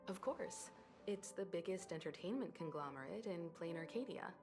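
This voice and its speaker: An actress playing a composed, responsible woman leading a starship crew in a video game, speaking in a measured, polite way. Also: fairly low pitch, animated, over music. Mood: informative, assured. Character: composed, responsible adult woman crew leader on space train.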